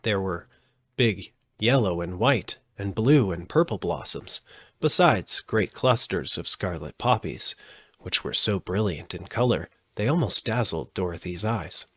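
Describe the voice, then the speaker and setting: Male audiobook reader for children's fiction, very animated delivery, dry sound. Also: low-pitched, a little slow, slightly rough, dry recording. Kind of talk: expressive storybook narration, read live.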